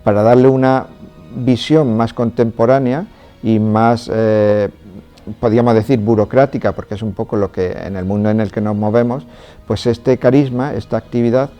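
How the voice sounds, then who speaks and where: A man from Córdoba, Spain, a priest giving a measured, explanatory testimony in an interview. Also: medium pitch, steady tone, dark tone, soft background music. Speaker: Trinitarian priest and charity president.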